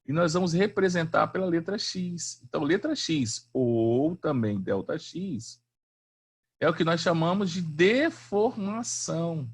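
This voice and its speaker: A man's voice: on the high side, unhurried, breathy edge. A man teaching a physics class online in a chatty, slangy way, often asking the students questions.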